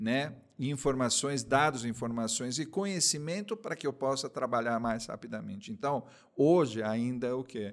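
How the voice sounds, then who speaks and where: A man speaks in a normal speaking voice at medium pitch and a moderate pace. His intonation is lively, and the recording is very clean with a silent background. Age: 60s. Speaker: company board chairman and data officer. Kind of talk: interview.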